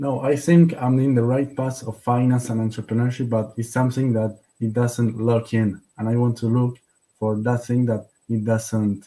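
With an Argentine accent, a man speaks at a moderate pace and medium pitch, his dark, mellow tone carrying fairly even intonation. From Argentina. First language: Spanish. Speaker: caller. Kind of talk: call-in advice question. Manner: halting non-native phrasing.

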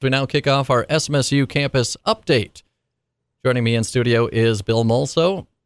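A man with an unremarkable speaking voice talks at a moderate pace and medium pitch, with ordinary pitch variation and very even loudness, in a dry, close recording with no echo, very clean and with a silent background. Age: 30s. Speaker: radio host. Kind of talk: casual chat. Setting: studio.

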